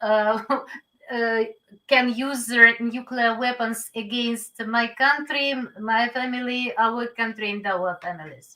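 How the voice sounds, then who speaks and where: Speaking very slowly with a Ukrainian accent, a woman keeps a fairly high pitch, a bright, sharp tone and fairly even intonation. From Ukraine, Donetsk region (east). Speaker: professor. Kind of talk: interview conversation. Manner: halting, many fillers.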